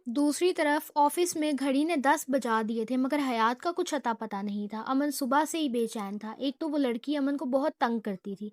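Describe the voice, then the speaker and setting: A woman narrating a romantic comedy novel with even storytelling. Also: high-pitched, no room sound, clean studio sound.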